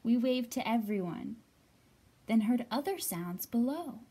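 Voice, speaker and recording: A woman's voice: fairly high pitch, lively intonation, measured pace, warm tone, slightly rough. A woman in her thirties hosting a storytime for young children, speaking expressively as she talks and reads aloud. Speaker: children's library storytime host. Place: library room with bookshelves, indoors.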